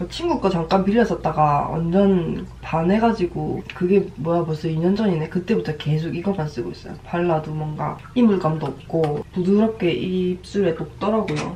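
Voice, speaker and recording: A woman speaks in a relaxed tone at a moderate pace and a fairly low pitch, with ordinary pitch variation and hardly any pauses, over noticeable background noise. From Gyeongsang, South Korea. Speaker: vlogger. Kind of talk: vlog monologue.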